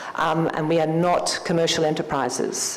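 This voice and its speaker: A woman's very deep, low voice with an Australian accent, audible room echo, and noticeable background noise. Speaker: gallery director. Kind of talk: lecture.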